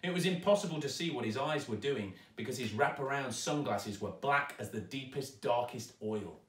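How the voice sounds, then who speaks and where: A man narrating a children's story aloud with dramatic, expressive delivery, recorded in a roomy space at some distance. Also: mid-range voice, moderate pace. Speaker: storyteller, actor reading aloud. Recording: roomy echo, distant microphone.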